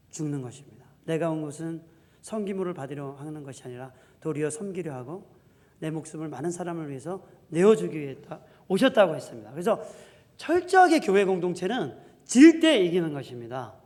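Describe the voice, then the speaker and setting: Emphatic male pastor in reverberant church. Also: high voice. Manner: emphatic preaching, swings between loud declarations and soft asides. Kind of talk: sermon. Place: church sanctuary. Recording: long hall reverb.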